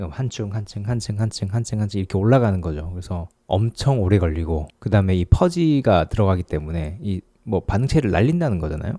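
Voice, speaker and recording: A man speaks at a fairly quick pace with hardly any pauses, in a fairly low pitch and a dark, mellow tone. The recording is very clean, with a silent background. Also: lively intonation. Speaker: tech journalist and channel host. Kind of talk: tech news commentary. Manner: casual conversational; quiet, hard to hear.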